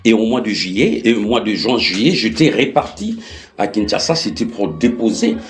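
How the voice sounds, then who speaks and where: A middle-aged man from the Congo with a Congolese accent, explaining himself as an interview guest in a halting, repetitive way. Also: fairly low pitch, expressive. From Democratic Republic of the Congo. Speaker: interview guest, political activist. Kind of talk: explanatory conversational talk.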